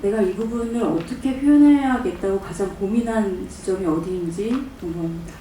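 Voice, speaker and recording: A woman's voice: mid-range voice, a little fast, mellow, far from the mic, a little hiss or hum. Composed woman moderator in an echoey hall. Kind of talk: posing questions to the panel. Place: cinema press conference hall.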